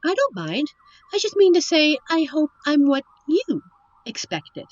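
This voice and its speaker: A woman playing a captive young princess in a roleplay audio drama, witty and wistful, with genteel, formal storybook phrasing and thoughtful pauses. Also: high-pitched, sing-song, no echo, lo-fi sound. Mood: hesitant, wistful. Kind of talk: roleplay audio drama, one side of a dialogue.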